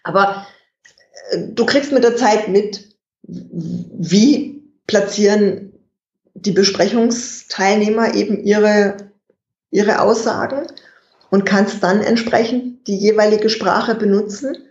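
Calm guest explaining in a dull, roomy recording. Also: medium pitch. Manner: measured, thinks aloud with fillers. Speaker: guest expert on communication. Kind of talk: explanatory interview answers.

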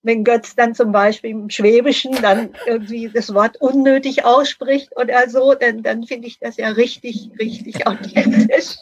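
A woman's voice: on the high side, fairly even intonation, normal speed, few pauses, dry recording. Hesitant woman on a dull, dry line. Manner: thoughtful, many hesitations. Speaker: podcast guest, Lean consultant and author. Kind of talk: conversational guest talk.

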